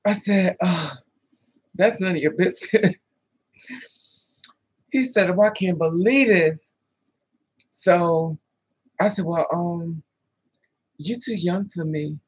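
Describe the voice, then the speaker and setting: A woman in her thirties tells a dating story to the camera, swearing freely and acting out both sides of the talk. Her voice is husky with a breathy edge. The recording is close and dry. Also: lowish voice, takes it slowly, long pauses, no echo. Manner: animated, profane, laughing asides. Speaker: vlogger telling a dating story. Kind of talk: casual storytelling with quoted dialogue.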